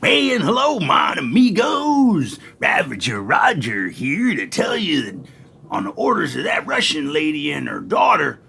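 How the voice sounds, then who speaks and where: A man's voice: a little high, very animated, unhurried, vocal fry, bright, forceful tone, breathy edge, full character voice. A man playing a flamboyant, dim wasteland raider who talks like a theatrical surfer dude in a comedy audio drama. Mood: boastful. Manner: theatrical, mixes surfer slang with mock-archaic phrasing.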